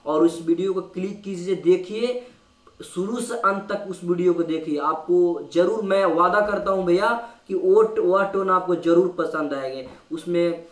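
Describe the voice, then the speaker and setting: A man from India talks to his viewers in a humble, pleading tone. His voice sits fairly high. The sound is roomy and picked up from a little way off the mic. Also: normal speed, far from the mic. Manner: humble, pleading, asks repeatedly. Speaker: keyboard player and channel host. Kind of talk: casual talk to camera.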